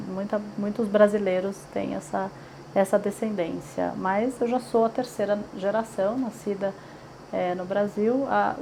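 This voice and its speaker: A woman's voice: medium pitch, darkish tone, low-quality recording. Paulistano woman in her 40s, talky, lots of fillers, faint room hum behind. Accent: Paulistano Brazilian Portuguese. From São Paulo, Brazil. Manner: chatty, frequent fillers and tag questions. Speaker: interviewee. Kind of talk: oral history interview.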